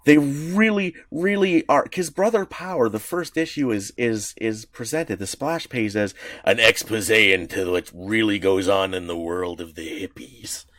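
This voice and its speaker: A man's voice: fairly low pitch, measured pace, hardly any pauses, a bit bright, dry recording. A man co-hosting a podcast in casual chat, talking with enthusiasm and tripping over restarts as ideas pile up. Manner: enthusiastic, rambling with frequent restarts. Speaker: podcast co-host.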